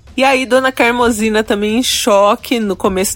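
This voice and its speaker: A woman talks at a moderate pace. Music plays behind her. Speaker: podcast host and storyteller. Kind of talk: sponsored ad read; storytelling. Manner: animated.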